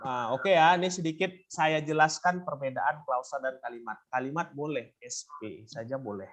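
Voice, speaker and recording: A man's voice: mid-range voice, normal speed, a bit bright. A male teacher explaining grammar to students, asking questions and prompting them to answer. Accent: Indonesian. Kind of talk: classroom lesson.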